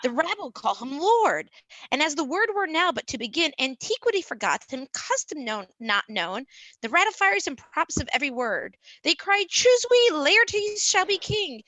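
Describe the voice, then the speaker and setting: Urgent royal messenger woman in the role, bright forceful declamation, swooping pitch, dry close sound, amateur Shakespeare reading. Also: sing-song, normal speed, no echo, exaggerated voice, low-quality recording. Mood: urgent, alarmed. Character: alarmed male messenger warning his king. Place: remote livestream from separate location.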